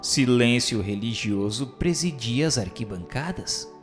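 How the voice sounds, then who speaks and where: Brazilian man, religious radio drama narrator, solemn and declamatory, lively swooping intonation, measured slow pace, soft music behind. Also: mid-range voice. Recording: long reverberant hall sound, music behind. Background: soft instrumental music.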